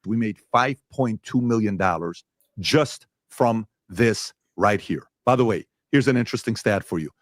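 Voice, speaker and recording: A man's voice: fairly low pitch, normal speed, dry recording, studio quality. A man in his forties giving a motivational business presentation in an emphatic, confident way. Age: 40s. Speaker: business owner presenting results.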